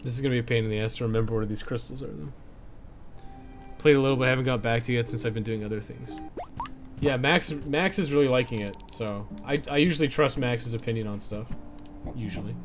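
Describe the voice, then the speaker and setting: A man's voice: medium pitch, quick pace. A man chatting casually and informally, with some swearing, as he livestreams a video game. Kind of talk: casual chat while playing a game. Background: game music.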